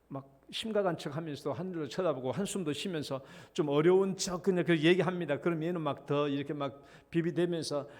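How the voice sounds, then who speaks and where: A middle-aged male pastor with a fairly high voice preaches in a church, and his words ring out with a long reverb. He tells stories vividly and slips into the voices of his child and of himself as he goes. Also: a little fast, hardly any pauses, a little mellow. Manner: storytelling, acts out his child's pleading and his own feigned reluctance. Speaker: senior pastor. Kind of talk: sermon. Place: church sanctuary.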